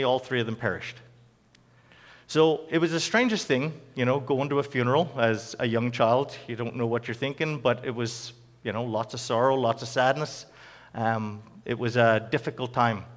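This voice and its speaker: A middle-aged man with a Northern Irish accent giving a personal testimony to a church audience, conversational and halting, with many ums and restarts. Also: medium pitch, a bit bright, in a large hall. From Northern Ireland.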